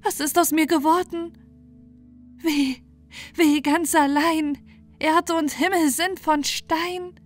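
A woman voicing a gentle, devout young wife in a fairy tale, earnest and pleading in anguish. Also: sits high, steady tone, takes it slowly, pauses often, pitched above the performer's own voice. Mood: despairing. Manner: plaintive, earnest lamenting. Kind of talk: fairy-tale storybook acting. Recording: music bed under the voice.

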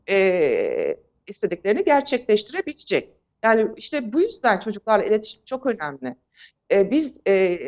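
A woman answering as an expert guest in an interview, explaining in a halting way with frequent pauses. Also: on the high side, darkish tone, lo-fi sound. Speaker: expert guest, psychological counselor and psychotherapist.

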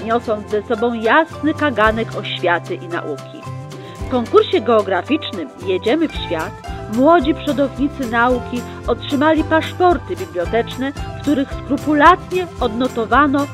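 A woman reads the chronicle in the crisp, chirpy manner of an old 1960s newsreel announcer, her voice sitting high. Her delivery stays brisk and upbeat throughout. Plucked guitar music plays clearly behind her. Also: big pitch swings. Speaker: chronicle narrator. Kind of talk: mock 1960s newsreel narration.

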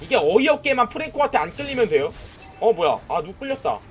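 A man's voice: sits high, quick pace, soft background music. A man streaming a mobile game, commenting live, cheering and trash-talking the enemies. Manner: excitable, shouting at enemies and cheering; trash-talking with frequent "nice" and "that's it".

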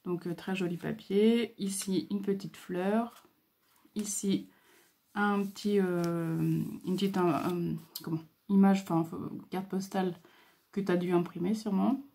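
A woman hosting a casual craft video, talking hesitantly with many fillers and pauses as she admires what she shows. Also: medium pitch, steady tone. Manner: admiring, soft-spoken. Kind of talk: casual show-and-tell.

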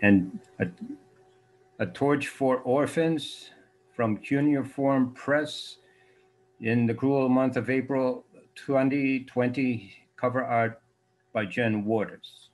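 An elderly man presents his poetry at a slow pace. His delivery is deliberate and halting, with a mid-range pitch. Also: slight background noise, poor audio. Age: 70s. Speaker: poet. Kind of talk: introducing and reading own poetry. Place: dark room indoors.

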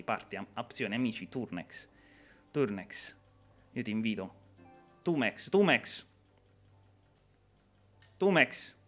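Lively chatty streamer guy. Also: medium pitch. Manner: chatty, reads viewer comments aloud, jokey. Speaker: game streamer. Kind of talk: live gameplay stream chat.

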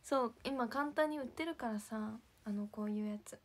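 A woman's voice: a little high, moderate pace. A young woman chatting casually to viewers on a livestream, giggling and sometimes dropping to a whisper. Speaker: idol livestream host.

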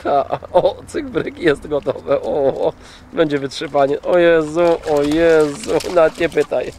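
A man's voice: on the high side, unhurried, darkish tone, slight background noise. Chatty man on a boat, swearing and cooing. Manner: chatty, swearing, coos affectionately at his dog. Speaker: vlogger. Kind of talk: casual outdoor chat while fishing. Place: on a boat on the water, outdoors.

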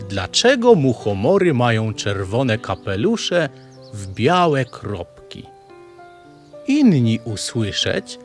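Man playing a slow, swooping, lecturing professor. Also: mid-range voice. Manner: emphatic, deliberate lecturing. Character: male professor animal, enthusiastic learned neighbour, pompous. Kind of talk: children's audio play acting.

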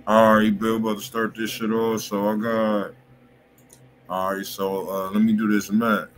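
A man's voice: on the low side, level tone, moderate pace, a little hiss or hum. A man hosting a music review livestream in casual, slangy talk, swearing freely and repeating himself.

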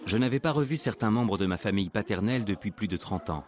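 Man, documentary presenter, scripted narration, measured and earnest, lowish voice. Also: lively intonation, a crowd in the background. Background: background music.

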